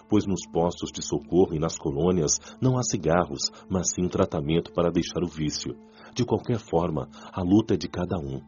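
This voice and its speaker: A man's voice: sits low, warm tone, highs cut off, natural voice. An actor playing Oscar, a former smoker's spirit telling his suffering and recovery in a radio drama.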